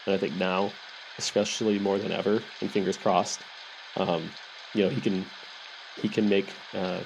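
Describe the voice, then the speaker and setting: A man's voice: low-pitched, gravelly, background noise. A man hosting a podcast, thinking aloud in a casual, rambling monologue about game picks and often correcting himself mid-sentence. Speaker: podcast host. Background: soft rain sounds.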